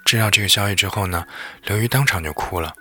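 A man narrating a lighthearted bedtime story in a gentle, lively way. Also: on the low side, fast. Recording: faint background music.

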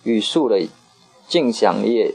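Gravelly low-voiced man teaching. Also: lively intonation, a little mellow, faint music behind, poor audio. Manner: patient, repeats phrases slowly for the learner. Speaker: Hokkien teacher. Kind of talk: casual language lesson.

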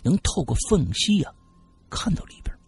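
Gravelly man telling a ghost story. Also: high-pitched, brisk. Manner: animated, dramatic storytelling. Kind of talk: casual spoken ghost story.

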